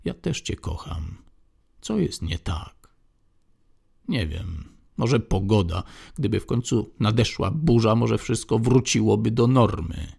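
A man's voice: on the low side, lively intonation, slow, gravelly, a little mellow, breathy edge, heavily acted. A man reading an audiobook, voicing a young wife who talks in a playful, affectionate way. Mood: tender. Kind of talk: audiobook character voice.

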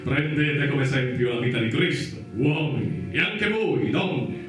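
An actor playing a greedy, sanctimonious Catholic priest in a satirical radio play, preaching, wheedling and scolding with pompous theatricality. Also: male voice, medium pitch, lively intonation, a little slow, a bit bright. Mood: indignant, scornful. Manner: pompous, wheedling, chanting and exclaiming. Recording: very echoey, distant, music behind.

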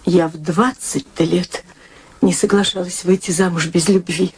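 An actress in a radio play playing a proud unmarried daughter with a dry, composed, ironic manner. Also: female voice, lowish voice, steady tone, measured pace, a little hiss or hum, lightly acted. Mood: wistful, earnest. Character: proud, wry unmarried daughter devoted to her elderly mother.

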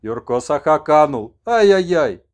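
A man voicing an old toothless shaman messenger who speaks in broken phrases and loud chanted exclamations. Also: on the high side, very animated, measured pace, clean tone, pitched above the performer's own voice. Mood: chanting.

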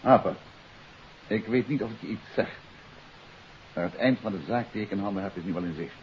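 An actor playing a shrewd, authoritative detective in a 1950s radio drama, speaking in a probing, deliberate way. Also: male voice, lowish voice, close to an everyday voice. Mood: stern, pressing. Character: shrewd, authoritative male amateur detective confronting a suspect. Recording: muffled 1950s radio recording with hiss.

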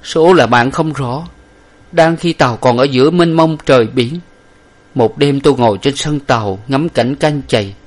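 A man voicing an impatient young gentleman, just returned from abroad, who speaks loudly and demands answers. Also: medium pitch, voice pushed up, close to an everyday voice. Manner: loud, demanding. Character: hot-tempered young gentleman, returning scholar.

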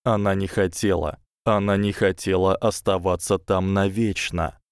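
A man narrating a fantasy novel as an audiobook in slow, measured storytelling. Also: low voice, steady tone, clean tone, dry recording, studio quality. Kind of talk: scripted narration.

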